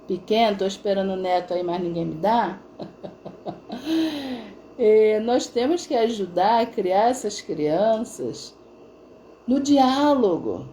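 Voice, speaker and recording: A middle-aged woman therapist speaks in a mellow, warm-toned voice at a middle pitch. She talks casually to viewers of a live stream, telling stories and checking in with frequent tag questions. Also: expressive, a little slow, slight background noise. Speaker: integrative therapist.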